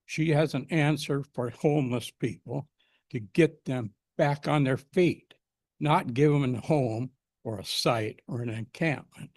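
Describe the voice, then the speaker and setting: An American man in his seventies speaks with a creaky, gravelly voice of middling pitch. He delivers a prepared public comment earnestly and emphatically, in a dry, close sound. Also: measured pace, darkish tone, no echo. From United States, Pacific Northwest. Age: 70s. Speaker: resident giving public comment.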